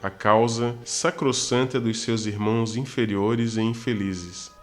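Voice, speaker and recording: A man's voice: lowish voice, steady tone, a little slow, faint music behind, close to an everyday voice. A man voicing a solemn, kindly priest spirit who guides lost souls, speaking in a formal, archaic, preaching way in a radio drama.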